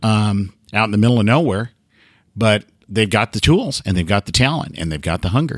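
Fast-talking at a fairly quick pace, a man with an American accent and a plain, everyday voice has fairly low pitch and lively intonation, recorded with a dry, close sound with no echo and a very clean, silent background. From Oregon. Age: 50s. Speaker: rodeo announcer and radio host. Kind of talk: casual interview chat.

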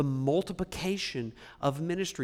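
There is a very clean recording with a silent background. A man with a fairly high pitch and lively intonation speaks in an ordinary speaking voice. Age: 40s. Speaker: pastor. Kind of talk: sermon. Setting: church.

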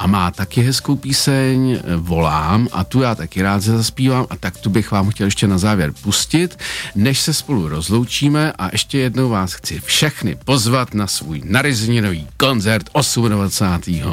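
A man with a normal speaking voice talks at a fairly slow pace and a fairly low pitch, with lively intonation and hardly any pauses. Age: 60s. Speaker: musical actor and singer. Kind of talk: casual chat.

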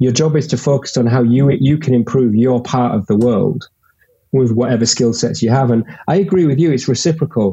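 Someone speaks in a northern English accent with ordinary pitch variation. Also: man. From northern England, York. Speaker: design agency co-founder. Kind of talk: interview.

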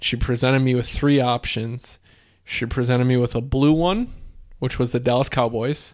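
In a very clean recording with a silent background, a man with an American accent uses an ordinary speaking voice at medium pitch, moderate pace, fairly even intonation and very even loudness. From Wisconsin. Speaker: podcast host. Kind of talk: casual chat. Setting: home recording, video.

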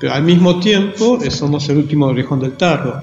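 Over noticeable background noise, a man speaks at a fairly quick pace with a fairly high pitch and ordinary pitch variation. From Buenos Aires, Argentina (La Boca). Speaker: butoh dancer and performance artist. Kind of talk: interview conversation. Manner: halting, many repetitions and fillers.

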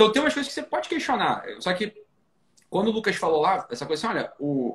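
A high-pitched man talks at a very fast pace. His pitch swings very widely. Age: 30s. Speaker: political commentator. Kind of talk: casual chat.

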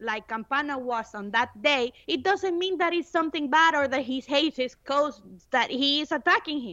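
A woman with a Spanish accent, high in pitch, at a moderate pace. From Honduras. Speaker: sports podcast co-host. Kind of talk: casual sports podcast discussion. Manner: animated.

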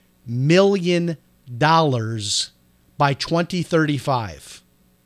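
There is lively intonation from a man speaking at a fairly high pitch. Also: very clean recording, silent background. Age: 50s. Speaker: radio talk show host. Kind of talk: talk radio monologue. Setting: studio. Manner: many filler words (uh).

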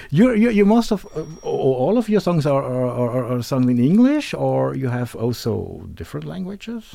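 A man with a Swiss German accent talks at a moderate pace with hardly any pauses, over noticeable background noise. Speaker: radio host. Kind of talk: radio interview. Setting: radio studio.

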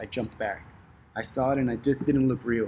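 Speaking at a fairly quick pace, a man with an American accent uses a medium pitch and a somewhat breathy voice. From Chicago, then Rio Grande Valley, Texas. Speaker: ninja competition athlete and gym owner. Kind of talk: interview, personal story. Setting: in his gym.

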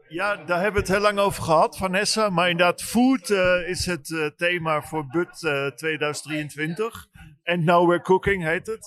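Recorded with a dry, close sound and no echo, a man with a high pitch speaks at a fairly slow pace with ordinary pitch variation. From Netherlands, Rotterdam. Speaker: film festival organizer. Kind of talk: casual chat. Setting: live recording at a film festival.

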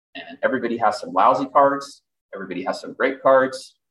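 This is a man speaking. His pace is fairly quick. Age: 50s. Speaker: fitness coaching client. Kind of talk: casual interview.

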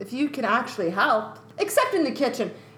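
Noticeable background noise runs under a woman who speaks at a moderate pace with very wide pitch swings. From Sweden. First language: Swedish. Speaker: podcast host. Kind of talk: casual chat.

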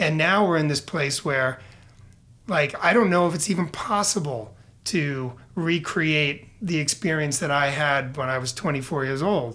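Talking at a fairly slow pace in a New York accent, a man has a fairly high pitch, a bright, sharp tone and ordinary pitch variation. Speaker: firefighter. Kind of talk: casual chat. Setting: studio.

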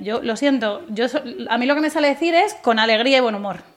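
With lively intonation and a high pitch, a woman speaks at a fairly quick pace over noticeable background noise. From Madrid, Spain. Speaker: ecologist activist and researcher. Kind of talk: panel debate. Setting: live event with audience. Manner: fast.

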